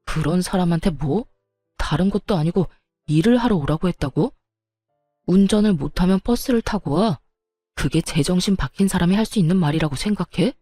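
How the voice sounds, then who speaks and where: A woman's voice: medium pitch, expressive, normal speed, soft background music, natural voice. A woman doing a furious young husband. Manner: shouting, exasperated. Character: furious young husband confronting his mother.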